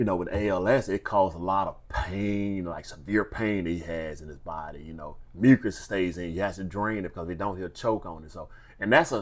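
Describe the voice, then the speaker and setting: A man with a Southern US accent and a very deep, low pitch talks at a fairly quick pace with hardly any pauses. His loudness swings widely while his pitch varies in an ordinary way. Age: 60s. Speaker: football coach, former NFL player. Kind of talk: casual podcast interview.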